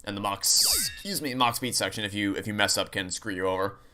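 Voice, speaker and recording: A man's voice: fairly low pitch, animated, fairly quick, bright, forceful tone, a little hiss or hum. A man streaming a game, chatting with viewers and explaining his opinions in an analytical way while he plays. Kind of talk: live playthrough commentary and chat. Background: video game music and sounds.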